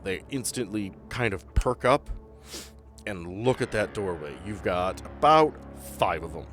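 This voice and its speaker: Deep-voiced man running a horror tabletop game. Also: lively intonation, fairly bright tone, soft background music. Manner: descriptive, builds tension with pauses. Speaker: game master.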